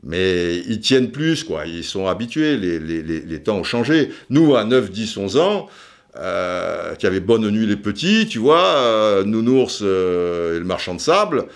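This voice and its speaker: A man's voice: on the low side, sing-song, a little slow. A man in his forties from France, hosting a podcast and telling a long personal story in a chatty, digressive way with many fillers and restarts. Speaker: podcast host. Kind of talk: casual storytelling monologue.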